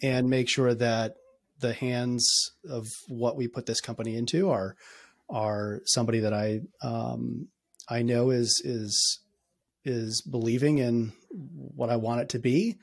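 A man talking as a guest on a podcast interview, energetic but halting, often restarting his sentences and filling pauses. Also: medium pitch, creaky. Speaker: podcast guest, company founder.

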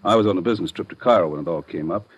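An actor playing a gruff, hesitant oil-field manager in a 1950s radio drama. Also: male voice, low-pitched, rapid-fire. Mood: guarded, explanatory.

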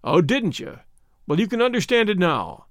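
A man's voice: sits high, wildly swooping pitch, normal speed, no echo, clean studio sound. A man voicing a savage, domineering young villain with a curt, sneering, threatening delivery in an audiobook. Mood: curt, menacing. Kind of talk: audiobook character acting.

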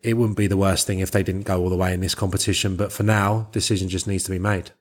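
A man giving casual football analysis as an ex-player pundit, in a measured, matter-of-fact way. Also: low voice, little pitch movement.

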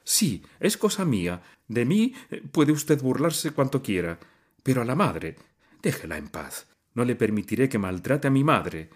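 A man's voice: mid-range voice, big pitch swings, unhurried, voice pushed up. A man reading aloud and voicing an angry young male student who confronts his father in heated, impassioned outbursts. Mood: furious.

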